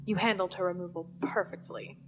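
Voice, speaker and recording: An actress playing a cold, commanding villain in an audio drama, measured and menacing in manner. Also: female voice, on the low side, steady tone, a bit bright, soft background music, natural voice. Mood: controlled, smug. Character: cold, commanding female villain, leader of conspirators.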